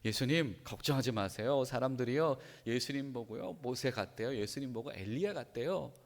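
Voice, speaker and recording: A man's voice: mid-range voice, lively intonation, normal speed, close to an everyday voice. A man voicing anxious male disciples who eagerly reassure their master, in a sermon delivered in a long-echoing hall. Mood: placating. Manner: eager, placating.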